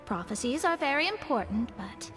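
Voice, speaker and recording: A self-assured young astrologer from a video game. Her fairly high voice is articulate and proper, full of firm opinions. Music plays clearly behind her. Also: sing-song, moderate pace, a bit bright. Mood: assured, conversational.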